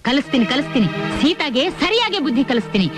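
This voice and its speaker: A woman's voice: high-pitched, big pitch swings, quick pace, over music. An actress playing a middle-aged village mother who scolds and talks indignantly.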